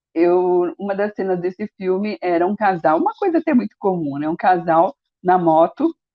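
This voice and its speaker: A woman's ordinary speaking voice, medium in pitch, at a fairly slow pace. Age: 60s. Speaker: journalist and TV presenter. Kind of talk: interview. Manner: conversational, frequent fillers.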